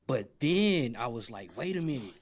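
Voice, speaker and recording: A man with a medium-pitched voice chats on a gaming show. His delivery is animated and slangy, with a joking storyteller's way of easing into recommendations. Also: normal speed. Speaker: panelist on a gaming livestream show. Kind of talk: casual chat and recommendations.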